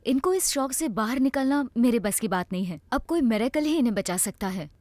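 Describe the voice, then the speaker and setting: An actress playing a woman doctor who speaks calmly and reassuringly to a patient's son. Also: on the high side, a little fast, no room sound, close to an everyday voice. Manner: calm, reassuring, mixes English. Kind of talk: film dialogue.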